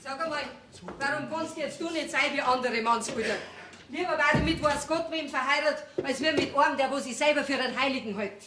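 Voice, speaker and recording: An actress with a Bavarian accent playing a fed-up middle-aged farmer's wife with scolding, dry retorts, on a theater stage. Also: female voice, sits high, fairly quick, background noise, natural voice. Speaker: stage actor. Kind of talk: folk theater comedy acting. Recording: echoey stage recording.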